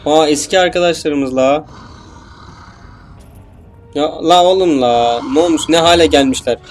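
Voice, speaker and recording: A man's voice: on the high side, measured pace, faint music behind. A young man casually commentating a video game, joking, swearing and talking back to the enemies on screen. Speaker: gameplay commentator. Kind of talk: casual let's play commentary.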